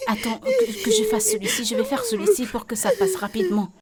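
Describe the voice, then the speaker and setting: A woman's voice: extremely high pitch, huge pitch swings, a little fast, a loud crowd, heavily acted. A woman dubbing a film role: an outspoken, caring woman who talks bluntly and repeats herself insistently. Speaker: Vicky, friend tending a beaten woman. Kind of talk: French film dub.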